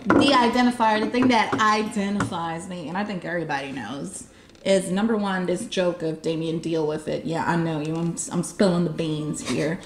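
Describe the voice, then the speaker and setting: A woman's voice: on the low side, moderate pace, reverberant, noisy background. A woman chatting casually on a video, showing her convention gear and laughing often. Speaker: YouTube convention reporter. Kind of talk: casual show-and-tell chat. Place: game room with arcade cabinets.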